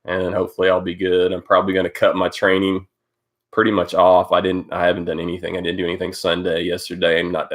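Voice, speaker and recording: A man hosting a casual live stream, stuffed up from a cold, rambling with many fillers as he greets viewers by name. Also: low-pitched. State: congested from a cold. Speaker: host of a live cycling update stream.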